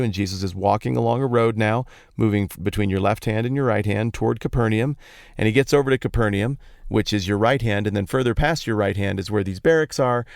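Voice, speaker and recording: A man's voice: lowish voice, creaky, a little mellow, no echo, clean studio sound. A man hosting a podcast, giving a casual, conversational Bible teaching talk in informal, explanatory language. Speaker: podcast host.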